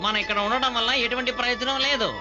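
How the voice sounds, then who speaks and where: A man's voice: extremely high pitch, steady tone, rapid-fire. A man voicing an impatient, pessimistic companion in a cartoon dub, urgent and nagging. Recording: dull cartoon audio under loud music.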